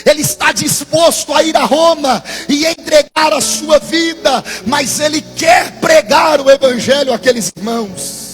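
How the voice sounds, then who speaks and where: A man with a Brazilian Portuguese accent preaching a Pentecostal sermon in a large church, shouting in a sing-song cadence and calling for responses from the crowd. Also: very high-pitched, unhurried, long reverb tail, soft background music.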